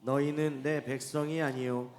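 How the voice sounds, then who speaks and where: A man reads scripture slowly and solemnly. His voice sits at an ordinary pitch and rings with a long reverb, as if heard across a large worship hall. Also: little pitch movement, darkish tone. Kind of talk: formal scripture reading.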